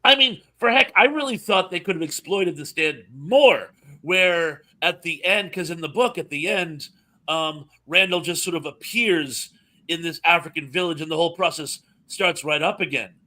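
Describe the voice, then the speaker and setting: A man co-hosting a casual live chat about films. His voice is bright and clear, and it sits a little high for a man. He rambles, restarts his sentences and laughs often. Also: moderate pace. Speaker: podcast co-host.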